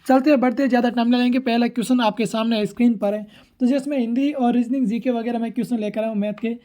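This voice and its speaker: A man's voice: extremely high pitch, steady tone, racing, mellow. A man teaching exam prep, going informally through questions and answers in a repetitive, formulaic way.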